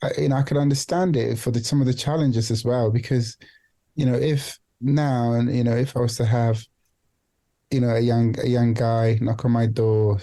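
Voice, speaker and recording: A man with a dark, relaxed tone and a middling pitch talks as a podcast guest. He is reflective and hesitant, often restarting a phrase or dropping in "you know" while he works out his point. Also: moderate pace. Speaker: guest, founder and CEO of a non-profit organization. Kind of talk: reflective podcast interview talk.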